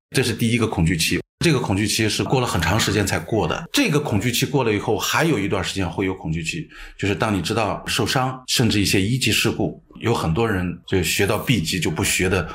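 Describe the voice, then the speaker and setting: With an unremarkable speaking voice, a man talks at a fairly quick pace in a fairly low pitch, his intonation lively and hardly any pauses between words. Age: 50s. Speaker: paragliding club head. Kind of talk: interview.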